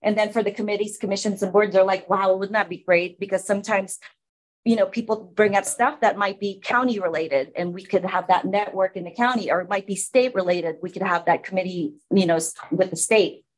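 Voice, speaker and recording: A woman's voice: mid-range voice, brisk, low-quality recording. A woman from the Philippines facilitating a public city commission meeting, explaining informally with many fillers.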